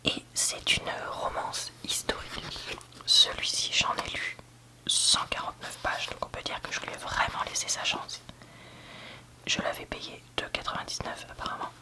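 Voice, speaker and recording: A book reviewer giving a candid, hesitant ASMR review in a soft library whisper, often searching for words. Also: moderate pace. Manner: soft library whisper, almost entirely unvoiced. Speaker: book reviewer, video host.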